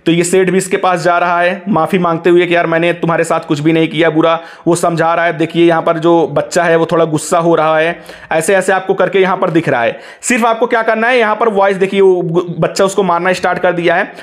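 A man's voice: high voice, steady tone, brisk. A man hosting a tech tutorial, narrating over a phone screen recording and keeping on at viewers to look as he shows each step. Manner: instructive, keeps saying "look" to guide viewers.

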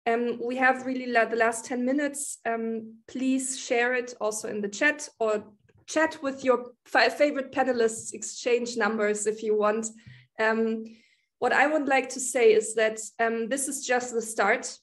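Organizer woman closing a video-call panel; hesitant, filler-heavy delivery, slightly high. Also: steady tone, unhurried. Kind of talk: online panel discussion. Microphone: laptop video call.

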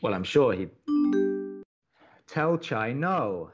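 Figure: earnest young college radio co-host. Delivery: lively, placating. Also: male voice, mid-range voice, slow, muffled recording, loud music behind the voice. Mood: dry. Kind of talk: audio drama dialogue.

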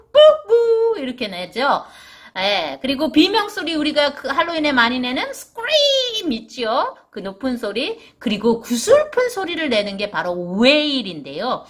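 A middle-aged woman giving a casual vocabulary lesson for parents, repeating each English word slowly and with emphasis. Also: a little high, bright, forceful tone.

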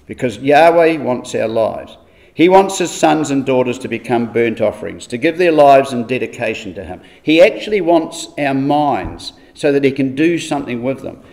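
A man giving an earnest Bible study exhortation, measured and steady, asking rhetorical questions as he works through the verses. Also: medium pitch.

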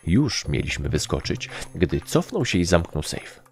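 A man reading a story as an audiobook narrator in an expressive, scripted style. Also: deep voice, measured pace, vocal fry, soft background music.

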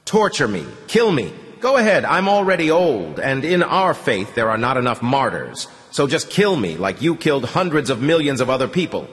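A man's voice: medium pitch, big pitch swings, moderate pace, hardly any pauses, fairly bright tone, long reverb tail. A man voicing a contemptuous old priest who rails in rising, menacing rhetoric. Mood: defiant. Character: old male priest, contemptuous, fiery preacher.

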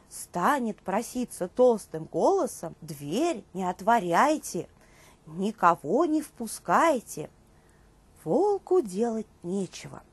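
A woman in her thirties presenting a children's show and telling tales in an expressive way for young listeners. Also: mid-range voice, husky. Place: indoor TV studio dressed as a nursery.

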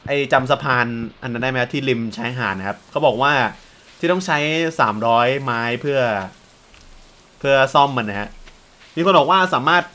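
A young man giving casual, chatty commentary while playing a farming game, often breaking into excited exclamations. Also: mid-range voice, normal speed. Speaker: let's play gamer.

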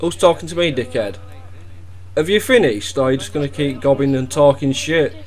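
This young man from Wales, a gaming video creator, speaks at a medium pitch and a little fast while trolling an opponent over voice chat. He teases sarcastically, with a deadpan, mock-innocent manner.

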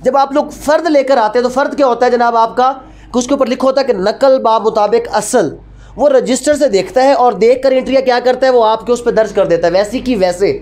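A brisk woman with a high-side, darkish voice and a Pakistani accent teaches law in a classroom lecture. Didactic in manner, she raises questions and answers them herself, moving between Urdu and English legal terms.

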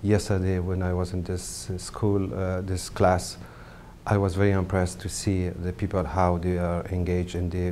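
A middle-aged man from Afghanistan, a photographer, speaking English as a second language in a halting interview to camera with many pauses and fillers. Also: low-pitched, dark tone, a little hiss or hum. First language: not English. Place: indoor studio set with brick wall.

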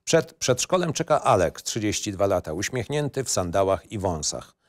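A man's voice: on the low side, sing-song, moderate pace, no room sound, studio quality. A man narrating a screenplay in short, matter-of-fact phrases. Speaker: narrator reading stage directions. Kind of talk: scripted narration, screenplay reading.

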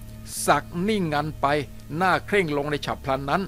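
A man's voice: high voice, a little fast, fairly bright tone. A man steadily and expressively reading a novel aloud as a storyteller. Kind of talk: audiobook narration of a novel. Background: faint music.

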